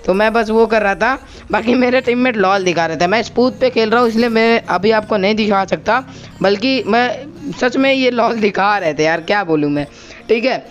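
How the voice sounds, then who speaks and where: A man's voice: high voice, normal speed, fairly bright tone, dull audio, soft background music. A young man giving a chatty voice-over commentary on his own gameplay, talking straight to his viewers and asking them to comment. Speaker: gaming channel host.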